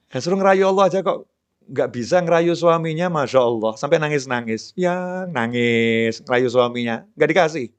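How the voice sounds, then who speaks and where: A middle-aged man preaching a conversational sermon, dropping to a softer, lower voice to act out prayers and dialogue.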